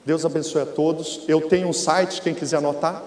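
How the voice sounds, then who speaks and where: Man, Brazilian accent, high voice, church talk, emphatic, echoey hall. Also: fairly quick. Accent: Brazilian Portuguese. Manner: animated, emphatic, repeats phrases, drops to a hush for effect. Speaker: guest speaker at a church. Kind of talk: preaching talk. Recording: echoey church hall with faint room noise.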